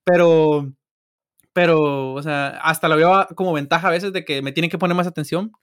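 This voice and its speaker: A young man with a Mexican Spanish accent, chatting casually as a software engineer guest, loose and slangy and often laughing. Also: on the high side, fairly even intonation, moderate pace, clean tone. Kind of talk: casual podcast chat.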